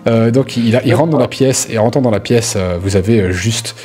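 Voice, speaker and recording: A man narrates a tabletop role-playing game as game master, conversational and halting as he searches for words. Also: mid-range voice, darkish tone.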